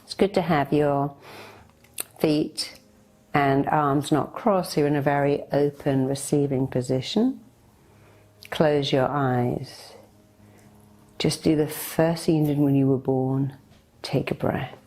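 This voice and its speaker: A woman leading a guided meditation in a soothing, deliberate way, speaking directly to the listener as a hypnotherapist would. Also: low voice, fairly even intonation, darkish tone. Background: meditation music.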